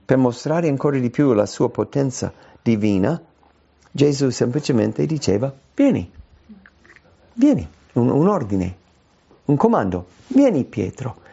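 A man preaching a sermon, his voice leaping high when he acts out quoted cries. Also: expressive, moderate pace, creaky, dark tone, breathy edge. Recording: dull lo-fi recording.

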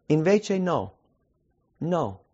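A man's voice: fairly high pitch, big pitch swings, extremely slow, a little mellow, lo-fi sound. A man preaching a sermon with emphasis, using many rhetorical questions.

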